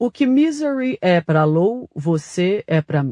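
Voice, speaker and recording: A put-on character voice, hoarse and calm, at a middle pitch with very wide pitch swings and a fairly slow pace. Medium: read story. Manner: flat, almost toneless, calm.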